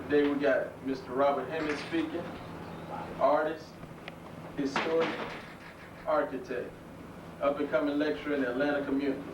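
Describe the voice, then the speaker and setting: A man's voice: a little high, steady tone, normal speed, long pauses. A man hosting an event, introducing the speaker formally. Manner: formal, announcing. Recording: dull, distant, echoey, hissy.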